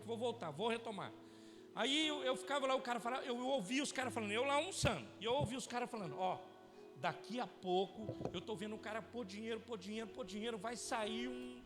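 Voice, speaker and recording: Male pastor, Brazilian Portuguese accent, high voice, emphatic repetitive sermon, echoing church hall. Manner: emphatic, repetitive preaching with direct address to the congregation. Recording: church hall with long reverb and faint music.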